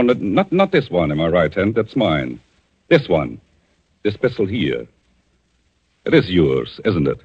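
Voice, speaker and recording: A man playing a calm, vengeful avenger in a 1940s radio drama, speaking in a measured, theatrical way on a dull old broadcast recording. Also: deep voice, breathy edge, exaggerated voice.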